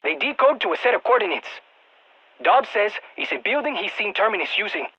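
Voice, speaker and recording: A nerdy, theatrical game scientist with a Latino Spanish accent, talking over a radio. His voice is high for a man and husky, and its pitch swings widely as he briefs a strike team with big, wordy flourishes. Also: big pitch swings, fairly quick, sharp tone, lo-fi sound, soft background music, exaggerated voice. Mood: urgent briefing. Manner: theatrical, wordy, swinging between glee and exasperation. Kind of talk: video game voice lines.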